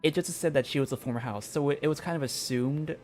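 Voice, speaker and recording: A man giving casual game commentary as a streamer, thinking aloud in a halting way and often repeating himself. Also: fairly high pitch, a little mellow, soft background music.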